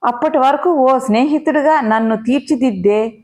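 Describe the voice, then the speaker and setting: A woman with a slightly high voice reads a first-person story aloud. Her delivery is measured and reflective, as a storyteller's narration. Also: darkish tone.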